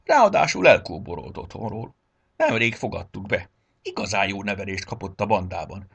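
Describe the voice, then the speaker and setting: A man's voice: lowish voice, big pitch swings, vocal fry, a bit bright, breathy edge, highs cut off, exaggerated voice. A man voicing a cheerful, clever little black rabbit in a storybook reading.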